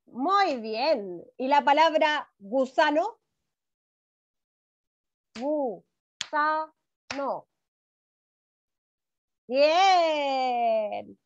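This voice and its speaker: A woman with a Chilean accent teaching a first-grade class online, affectionate and encouraging with her pupils. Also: high-pitched. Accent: Chilean Spanish. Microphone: video call. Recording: dull lo-fi video call audio.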